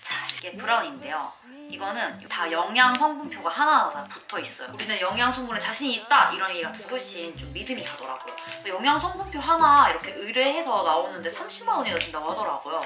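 A young woman giving a casual, expressive food review to camera as she tastes, with a playful manner. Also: mid-range voice, fast talker, roomy sound. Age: young adult. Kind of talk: casual review chat to camera while tasting baked goods. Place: small living room at home, also a cafe. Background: background music.

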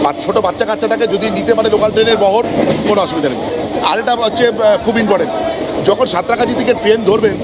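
Aboard a local train, a male travel vlogger chats casually, explaining things to viewers and companions. The recording is noisy, with train and vehicle rumble in the background.

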